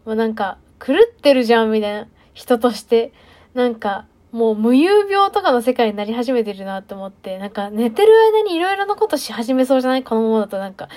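A young woman, a bit high in pitch, talks alone into the mic on her show. She drifts through her story casually, full of fillers and little jokes at her own expense. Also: expressive, brisk, a little mellow. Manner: chatty, self-deprecating, many fillers. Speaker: podcast host. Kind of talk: casual solo monologue.

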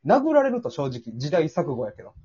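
A young man with a Kansai accent, a comedian co-hosting a casual chat, telling a story with lively acted-out quotes. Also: on the high side, fairly quick. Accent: Kansai Japanese. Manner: animated storyteller, acts out quoted voices. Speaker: comedian podcast co-host. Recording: dull lo-fi audio.

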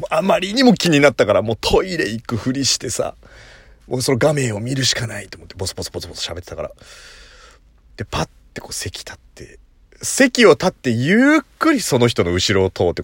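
A man's voice: medium pitch, husky, no room sound, clean studio sound. A man casually telling a funny story on his solo talk show, laughing at his own jokes. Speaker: podcast host. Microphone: phone app recording.

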